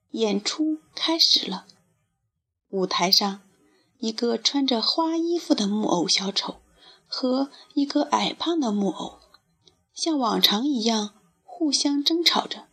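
A woman reading a storybook aloud to children in a gentle, expressive way. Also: on the high side, slightly rough.

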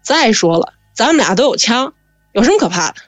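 A woman's voice: a little high, sing-song, a little fast, no echo, soft background music. A woman voicing a stubborn male hunter who brushes off fear and insists in her own storytelling voice. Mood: insistent. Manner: insistent, dismissive.

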